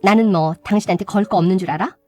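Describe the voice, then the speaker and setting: A woman's voice: mid-range voice, quick pace, a little mellow, soft background music, natural voice. A woman voicing a cheating young bride-to-be who whines and makes excuses, in radio drama style. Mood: defiant. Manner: whiny, making excuses.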